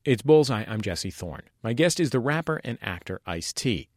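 A man's voice: medium pitch, big pitch swings, normal speed, dry recording, studio quality. A man hosting an interview, who explains his points at length and laughs easily. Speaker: radio interview host. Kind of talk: interview talk.

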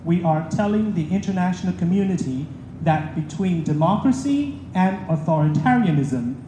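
Woman's translation voice-over, dark and roomy. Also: lowish voice, animated, moderate pace, a little hiss or hum. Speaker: interpreter. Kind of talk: formal interpreted speech. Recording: roomy echo with faint ambience.

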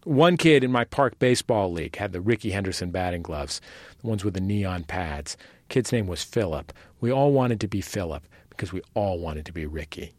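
A man's voice: low voice, expressive, moderate pace, no echo. A man in his thirties hosting a radio show with scripted narration. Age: 30s. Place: dry studio.

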